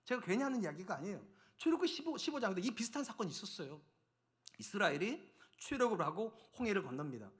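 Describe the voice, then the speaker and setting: A male pastor giving a Sunday sermon, telling a story with many rhetorical questions and reading scripture slowly. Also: high voice, very animated, fairly bright tone. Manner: reads scripture aloud slowly. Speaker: senior pastor.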